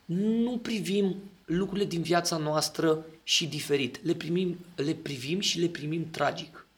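A man in casual podcast talk, explaining his ideas and often checking that the listener agrees. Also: on the high side.

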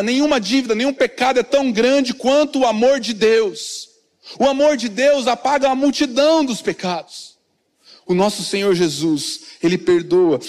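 A pastor's high, bright voice carries through a church with a long, lingering echo as he preaches earnestly. At times he drops into quiet, low tones to drive a point home.

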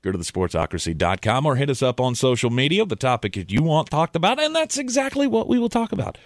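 A man in his thirties co-hosting sports talk radio, agreeable and quick to chime in. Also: mid-range voice, big pitch swings, no room sound, clean studio sound. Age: 30s. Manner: agreeable, backchanneling.

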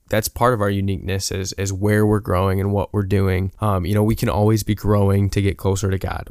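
A young man in his twenties co-hosting a faith podcast in a calm, affirming way. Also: fairly low pitch, clean tone, dry recording, studio quality. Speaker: podcast co-host.

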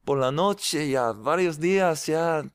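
A man's voice: a little high, lively intonation, takes it slowly, clean tone, no echo. A man voicing an anxious, sleepless man who pleads with his friend in a raised, strained voice. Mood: distressed.

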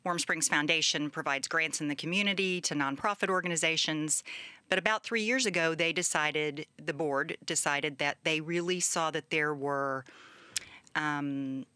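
A woman executive director answering interview questions in a measured, explanatory way. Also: low-pitched, pushed and bright, smooth, no echo.

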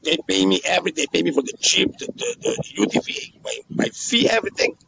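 Against a noisy background, a man with an Aruban accent speaks fairly quickly in a gravelly voice that sits high and swings hugely in pitch. He's a tour guide being interviewed, explaining conversationally, often repeating phrases or checking in with "yes?".

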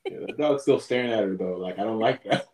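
Echoey voice of a quietly musing viewer. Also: medium pitch, quick pace. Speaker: co-host reacting to a show. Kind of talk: casual reaction chat. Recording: roomy echo.

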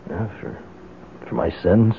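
An actor with an American accent playing a brash, tough ex-Marine in a 1970s radio drama, casual and probing in manner. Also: male voice, lowish voice, a little slow, a little hiss or hum. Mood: earnest, contrite. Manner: hesitant interjections, casual, probing. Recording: muffled tinny 1970s radio broadcast.

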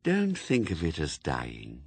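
A man voicing Death, a grave skeletal male reaper who speaks slowly and solemnly in a hollow, quiet voice. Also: extremely low pitch, wildly swooping pitch, vocal fry, husky, dry recording, pitched below the performer's own voice, full character voice.

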